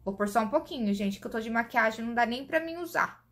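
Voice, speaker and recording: A high-pitched Brazilian woman chats eagerly to camera, reviewing beauty products. She keeps calling out to her viewers while she tries each one on her hands. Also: animated, quick pace. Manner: chatty, enthusiastic, addresses viewers as "gente"; demonstrating products while talking. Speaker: beauty vlogger.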